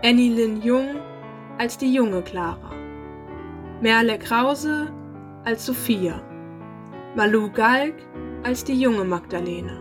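A woman's voice: on the high side, animated, slow pace, pauses often. A woman announcer reading scripted closing credits for an audio drama. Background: music with piano.

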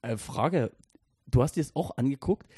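A man's voice: medium pitch, animated, moderate pace, warm tone, husky, dry recording, clean studio sound. A man from Dresden in his thirties, co-hosting a casual podcast chat in a rambling, hesitant way full of fillers and restarts. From Dresden, Germany. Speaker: podcast co-host and editor.

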